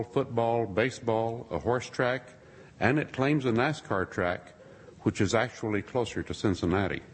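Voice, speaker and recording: A man giving a sermon-style talk to a congregation, with dry, wry asides and a husky voice. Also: mid-range voice. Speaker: speaker addressing a congregation. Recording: long reverb of a large hall.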